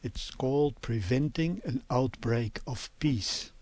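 A man hosting an interview, polite and careful, adding soft affirmations as he asks his questions. His voice sits at a middle pitch. A faint noise hums behind him. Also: slow. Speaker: interviewer, host.

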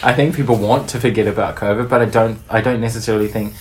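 A woman's voice: a bass voice, fairly even intonation, quick pace, a little mellow. A woman speaking as an interview guest, candid and reflective with a playful streak. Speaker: podcast guest, performer and playwright.

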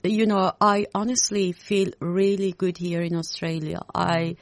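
A woman with an Iranian accent speaks unscripted as a guest in a radio studio, her voice low and deep for a woman. The sound is dry and close. She restarts often, repeating words as she gathers her thoughts. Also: flat delivery, a little slow, no echo. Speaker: photographer guest. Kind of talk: unscripted interview talk.

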